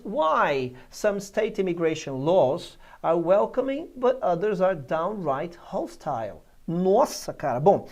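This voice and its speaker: A Brazilian English teacher giving an exam-prep video lesson, reading English text aloud and explaining it in a lively, exclamatory way with frequent check-ins. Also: mid-range voice, vocal fry. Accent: Brazilian Portuguese.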